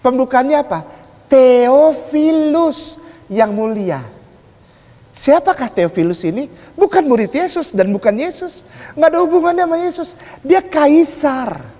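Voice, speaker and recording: Animated man preaching in an echoey hall. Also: very high-pitched, normal speed. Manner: animated, emphatic, asks rhetorical questions. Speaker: preacher in a religious debate. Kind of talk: public lecture.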